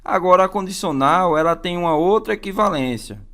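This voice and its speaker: A man's voice: high voice, lively intonation, fairly quick, fairly bright tone. A man with a Brazilian accent teaching an exam-prep lesson in a didactic way, repeating key phrases and checking in with listeners.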